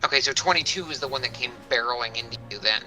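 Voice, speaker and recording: A man running an online tabletop game as game master, halting and thinking aloud as he goes. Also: medium pitch, sharp tone, soft background music, rough recording.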